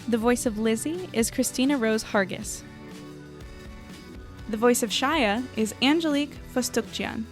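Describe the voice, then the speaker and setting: A woman reading scripted end credits as the creator of an audio drama podcast. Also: a little high. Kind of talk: scripted narration.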